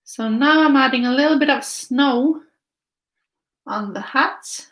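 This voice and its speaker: Female art tutor, slightly high pitch, very unhurried delivery, casual thinking-aloud live class style. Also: fairly bright tone. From Finland. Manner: unhurried, thinking aloud in short phrases while painting. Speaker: art teacher. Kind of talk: casual live painting tutorial with viewer chat.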